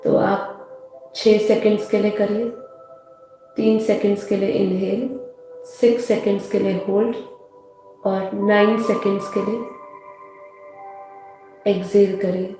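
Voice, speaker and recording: A woman with an Indian accent guiding a meditation, unhurried and soothing, repeating phrases as she gives instructions. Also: mid-range voice, little pitch movement. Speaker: meditation guide. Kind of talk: slow guided meditation instruction. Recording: heavily echoing voice over soft music.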